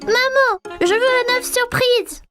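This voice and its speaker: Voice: very high-pitched, slow pace. A cartoon actor voicing an eager, curious preschool boy in a French dub, with music behind. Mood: excited. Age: child character. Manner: eager, wide-eyed.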